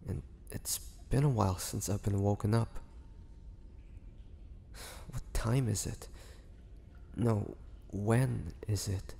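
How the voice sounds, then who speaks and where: Male actor as ancient vampire prisoner, brooding, low-pitched, heavy vocal fry, halting pauses, audio drama, cavernous space. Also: dark tone. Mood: groggy, disoriented. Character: weary, imprisoned ancient male vampire, groggy and menacing. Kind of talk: dramatic audio roleplay acting. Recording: long cavernous reverb, background noise.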